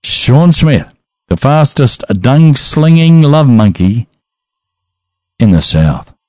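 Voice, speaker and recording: A man's voice: mid-range voice, sing-song, takes it slowly, darkish tone, no echo. A man co-hosting a podcast, reading listener letters aloud in a playful, teasing way. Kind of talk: casual chat, reading aloud.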